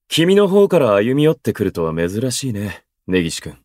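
An actor playing an aloof, eloquent station worker in a voice drama, speaking in florid, pompous, unhurried phrases. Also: male voice, fairly low pitch, big pitch swings, darkish tone, no room sound, studio quality. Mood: coolly courteous. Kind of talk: Japanese voice drama acting.

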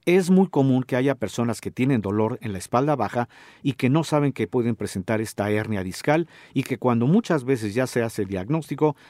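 A middle-aged man with a Mexican accent hosting a health talk show as a doctor, explaining calmly and asking the listener questions. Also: mid-range voice, fairly quick, no echo. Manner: didactic, addresses listener directly with questions. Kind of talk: informative radio talk.

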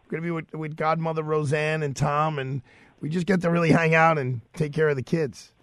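A man's voice: a little high, flat delivery, brisk, dry recording, clean studio sound. A middle-aged man, hosting a radio show in casual, loose, familiar talk, a little under the weather. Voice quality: raspy. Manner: warm, familiar, loose with fillers. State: slightly sore throat. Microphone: studio microphone.

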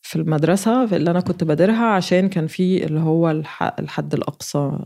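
A woman in her thirties with an Egyptian Arabic accent tells a personal story in a candid, unguarded way. She talks fast, with a gravelly, mellow tone, and a laugh slips in now and then. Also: sits low. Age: 30s. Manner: candid, laughs while recounting. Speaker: interviewee.

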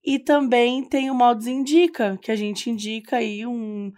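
A woman with a Brazilian Portuguese accent co-hosting a podcast in animated, playful casual chat. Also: fairly high pitch, unhurried. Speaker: podcast co-host.

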